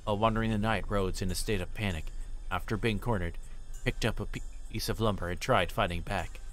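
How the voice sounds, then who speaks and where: A man livestreaming a visual novel, moving between quiet reading aloud and halting, casual chat. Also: lowish voice, steady tone, faint music behind. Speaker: livestreamer playing games.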